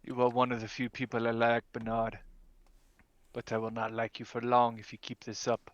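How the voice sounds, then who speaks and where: A man's voice: medium pitch, completely flat delivery, normal speed, no room sound, muffled recording. Dry-recorded, blunt man at a gaming table. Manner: blunt, sweary. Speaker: tabletop game player. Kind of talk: casual in-character game play.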